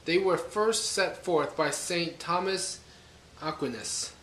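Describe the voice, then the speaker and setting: A man's voice: fairly high pitch, slow pace, fairly bright tone, a little hiss or hum. A man rambling casually to camera, thinking aloud and correcting himself with wry asides. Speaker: vlogger. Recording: echoey room.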